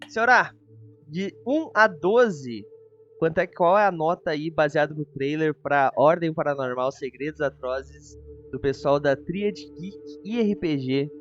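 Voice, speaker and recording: A man's voice: a little high, unhurried, muffled recording. A Brazilian man hosting a casual review chat, talking in an informal, chatty way. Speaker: host. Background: faint background music.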